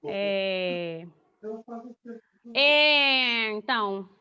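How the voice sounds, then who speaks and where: A woman's voice: mid-range voice, animated, drawn-out words, sharp tone, clear, resonant tone. A young woman teacher with a Goiás Brazilian Portuguese accent, teaching an online class to children and explaining by asking and answering her own questions. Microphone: video call. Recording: dull lo-fi video call audio.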